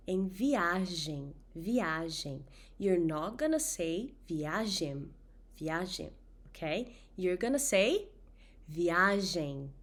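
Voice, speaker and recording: A woman with a Brazilian accent, a native Portuguese speaker, teaching pronunciation with deliberately enunciated nasal vowel drills for learners to repeat. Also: medium pitch, darkish tone. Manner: slow, deliberate enunciation of example words and nasal sounds. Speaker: language teacher.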